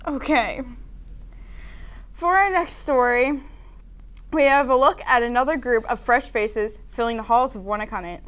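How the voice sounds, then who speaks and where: Teen girl anchor, high voice, reading intros. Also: unhurried, pauses often, fairly bright tone, clear, resonant tone. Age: teens. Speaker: student news anchor. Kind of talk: scripted anchor banter.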